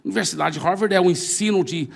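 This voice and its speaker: A Brazilian man preaching a sermon, animated and expressive as he acts out the voices in his story. His voice sits high for a man. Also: quick pace, gravelly. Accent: Brazilian Portuguese.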